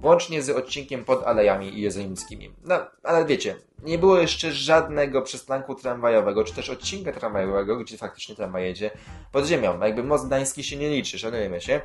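A man's voice: medium pitch, expressive, fairly quick, faint music behind. A man hosting a casual news roundup, rambling with filler sounds and self-corrections, and dropping dry sarcastic asides. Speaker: YouTube host covering city transit news.

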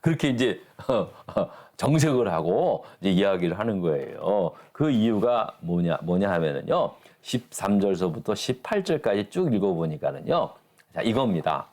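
Animated man leading Bible study. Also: lowish voice, normal speed. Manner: emphatic, full of rhetorical questions. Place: church.

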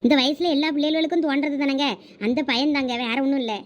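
A woman with a Thoothukudi Tamil accent playing a middle-aged village mother who is suspicious and quick to defend herself. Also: high-pitched, highs cut off, natural voice. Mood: defensive. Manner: pleading, justifying herself. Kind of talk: village comedy skit acting.

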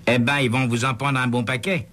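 A man's voice: mid-range voice, little pitch movement, brisk, a bit bright, pitched above the performer's own voice, lightly acted. A man voicing a brusque uniformed police officer who fires off short, curt questions.

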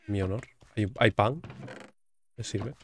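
A man's voice: fairly low pitch, slow pace, gravelly, a bit bright, slight background noise. Jokey gamer man with a Spain Spanish accent. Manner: chatty and joking, reads game text aloud. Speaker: gaming YouTuber. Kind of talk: gaming commentary.

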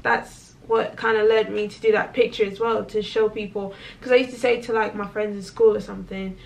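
A woman's voice: mid-range voice, flat delivery, a little fast, creaky, darkish tone, distant mic. A young woman vlogging in casual chat, talking with many fillers and acted quotes, in a small indoor room. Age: young adult.

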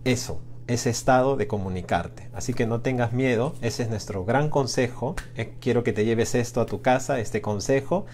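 A man's voice: mid-range voice, normal speed, few pauses, darkish tone. A man hosting a live Spanish lesson, speaking in an encouraging way with frequent hesitations. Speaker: Spanish teacher and host. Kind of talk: live-streamed language lesson chat.

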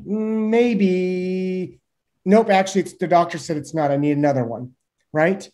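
A man's voice: sits high, unhurried. A man in his thirties, a guest expert explaining things animatedly to a host over a video call from a small room. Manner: animated, gestures with hands, uses homely examples. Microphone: webcam on a video call.

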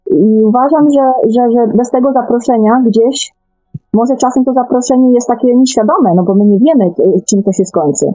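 A woman's voice: on the high side, normal speed, mellow, faint music behind. A woman guest in a radio discussion, explaining her views conversationally and tentatively. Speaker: guest author. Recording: dull, band-limited remote connection.

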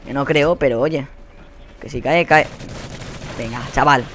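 A young man with a Spanish accent commentating his own shooter gameplay, swearing a lot and quick to burst into angry shouts. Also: medium pitch, a little hiss or hum. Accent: Spanish from Spain. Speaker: gaming commentator. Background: faint gunfire from the game.

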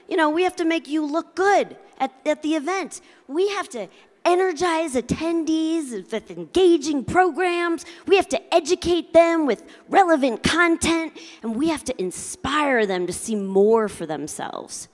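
A middle-aged woman giving a motivational keynote with comic storytelling, speaking with theatrical emphasis and working the audience through a handheld microphone. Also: fairly high pitch. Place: large convention hall, indoors. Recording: live hall PA with long reverb.

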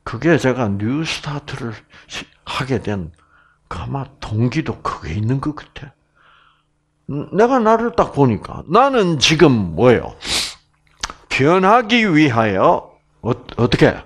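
Brief: male lecturer, unhurried delivery, animated storyteller who acts out sounds. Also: mid-range voice, breathy edge. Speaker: health lecturer.

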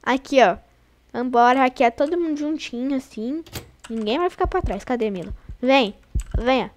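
A woman's voice: sits high, normal speed, slight background noise. A woman hosting a gaming channel, giving chatty running commentary on her play and talking constantly to her viewers. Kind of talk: casual gameplay commentary.

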